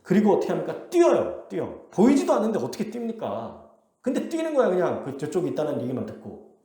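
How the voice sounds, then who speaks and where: Lively, dark-toned Korean preacher. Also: male voice, fairly high pitch, fast, reverberant. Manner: animated storytelling, acting out voices in the story; asks the congregation questions. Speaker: pastor. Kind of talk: expository sermon. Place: church sanctuary.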